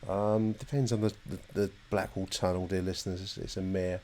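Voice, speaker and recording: A man's voice: sits low, level tone, brisk, dark tone, slight background noise. A man hosting a football podcast, rambling thoughtfully and often hesitating and repeating words.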